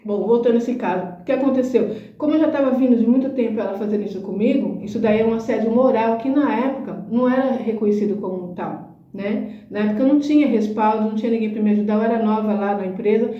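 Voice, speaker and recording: A woman's voice: on the high side, fast, recorded from a distance. A middle-aged woman hosting a talk, telling an emotional personal testimony and often adding little tag questions. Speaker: host. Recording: roomy echo, dull lo-fi sound.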